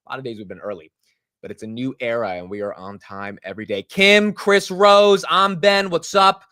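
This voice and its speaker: A man's voice: mid-range voice, moderate pace, bright, forceful tone, clean tone, no room sound, studio quality. A man in his late twenties hosting a live market stream, chatting casually in an upbeat, slangy way and greeting viewers. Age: 20s. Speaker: livestream host.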